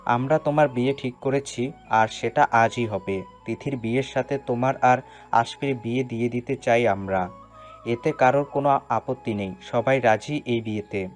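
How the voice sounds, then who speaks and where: A man playing a stern, calm middle-aged father in an audio story, speaking in a firm, commanding and measured way. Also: mid-range voice, soft background music, natural voice. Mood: firm, announcing. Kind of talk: dramatised audio story dialogue.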